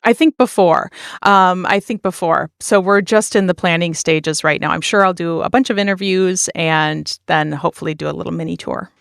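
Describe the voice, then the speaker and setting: A woman's voice: fairly low pitch, moderate pace, gravelly, no room sound, studio quality. A woman podcast creator answering interview questions in a conversational, plain-spoken, explanatory way. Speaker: podcast creator being interviewed, meditation teacher.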